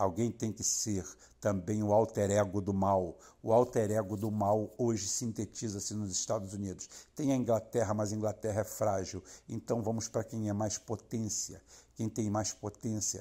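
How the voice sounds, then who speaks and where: A man with a Brazilian accent speaks at a moderate pace in a fairly low pitch, his tone dark and mellow and his intonation monotone and flat, on a very clean recording with a silent background. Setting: home, sitting on the sofa in the dark, late at night. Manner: fiery, indignant, emphatic, repeating words for force.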